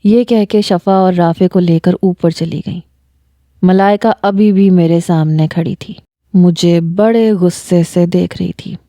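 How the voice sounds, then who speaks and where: A woman storyteller narrating in a measured, unhurried first-person style. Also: fairly low pitch, fairly even intonation, dark tone, no echo, clean studio sound.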